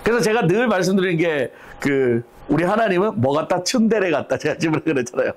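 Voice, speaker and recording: A man leading a church Bible study, animated, asking rhetorical questions and acting out everyday examples. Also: high-pitched, a little fast, slight background noise.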